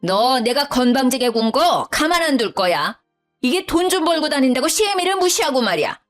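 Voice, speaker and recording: A woman's voice: expressive, normal speed, faint music behind. A woman voicing a domineering older mother-in-law who scolds and talks down to her daughter-in-law. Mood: scolding. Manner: scolding, shrill, condescending.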